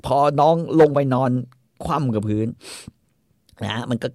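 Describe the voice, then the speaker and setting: A man's voice: medium pitch, a little slow, darkish tone, no echo, studio quality. A man hosting a casual chat, animatedly retelling a story with sound effects.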